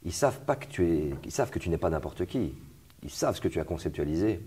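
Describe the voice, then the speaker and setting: A man's voice: deep voice, very animated, fast talker, mellow, husky. A young man hosting an interview, talking casually with fillers and restarts. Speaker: host.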